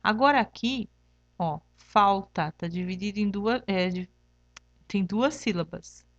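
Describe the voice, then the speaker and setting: Brazilian Portuguese woman teacher, unhurried delivery, patient, keeps checking in, dry, slightly muffled sound. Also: medium pitch, no room sound. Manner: patient, repeats "tá?" after each point; spells out examples slowly, syllable by syllable. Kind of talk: remote classroom lesson.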